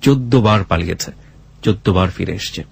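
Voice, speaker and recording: A radio host with a Bangladeshi accent interviews guests and tells stories in the studio. His voice is low, creaky and husky, and a little fast. His delivery is earnest and emphatic, with dramatic phrasing.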